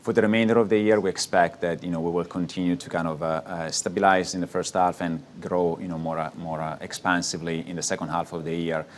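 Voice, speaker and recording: A man's voice: sits low, little pitch movement, fast, few pauses, a little hiss or hum. A man speaking as a finance executive, giving answers on an earnings call.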